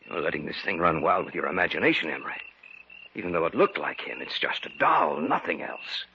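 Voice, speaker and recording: An actor playing the narrator's skeptical friend Chuck in 1940s radio style, reassuring but a little nervous. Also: male voice, extremely low pitch, expressive, a little fast, creaky, background noise, full character voice. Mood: uneasy. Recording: dull old radio broadcast.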